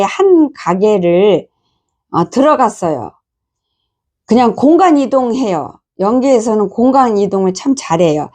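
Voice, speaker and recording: Middle-aged woman missionary, mid-pitched, earnest testimony storytelling. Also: dark tone. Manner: earnest storytelling, quoting others in a higher voice. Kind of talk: testimony of a dream.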